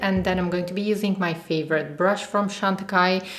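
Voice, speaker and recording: A woman's voice over noticeable background noise. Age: 30s. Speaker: beauty vlogger. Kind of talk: tutorial. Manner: casual, chatty.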